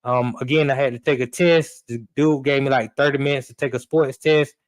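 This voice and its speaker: A man, a sports radio producer and host, talking in a relaxed way with fillers and repeats as a guest. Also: medium pitch, fairly quick. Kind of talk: casual storytelling chat.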